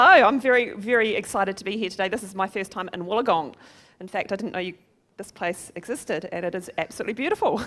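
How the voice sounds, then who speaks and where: A woman's voice: medium pitch, fairly bright tone. A woman with a New Zealand accent giving a live seminar talk to an audience, chatty and upbeat and laughing at her own jokes. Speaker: presenter at a business seminar.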